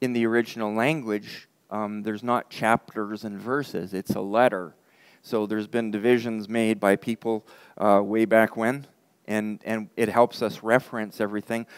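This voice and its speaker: In a monotone, flat intonation, a man with a fairly low pitch speaks against a quiet background. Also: moderate pace. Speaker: pastor. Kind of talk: sermon. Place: church. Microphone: headset.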